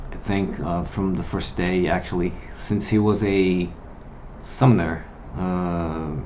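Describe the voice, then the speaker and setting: A man with a Portuguese accent speaks at a very deep, low pitch and with fairly even intonation. Audible room echo and noticeable background noise surround his voice. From Portugal. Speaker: gaming YouTuber. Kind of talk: casual gaming commentary. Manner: halting, many fillers and repeats.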